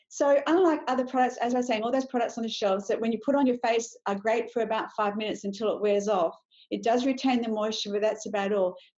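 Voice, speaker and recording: Speaking very fast with an Australian accent, a woman uses a fairly high pitch. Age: 60s. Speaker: business presenter. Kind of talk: sales pitch. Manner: animated.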